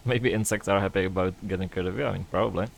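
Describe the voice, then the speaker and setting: Male streamer talking casually over gameplay, sarcastic and joking, on the low side. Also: fairly even intonation, fairly quick, creaky, a little hiss or hum. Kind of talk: casual gaming stream chat.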